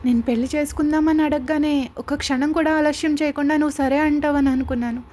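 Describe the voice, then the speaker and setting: Woman playing possessive angry young woman, loud forceful pleading, high-pitched. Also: fairly even intonation, quick pace, close to an everyday voice. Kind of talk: audio story reading.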